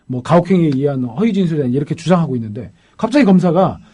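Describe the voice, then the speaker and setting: A man, a defense lawyer, telling a case story in a lively panel talk and acting out the people he quotes. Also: a little high, fast, breathy edge.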